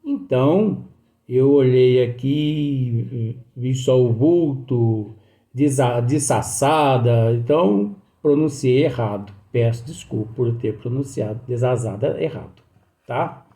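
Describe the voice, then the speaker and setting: A man with a Brazilian Portuguese accent who teaches in a slow study talk, reading passages aloud and explaining them again with many fillers. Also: medium pitch, warm tone, reverberant. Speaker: spiritist teacher.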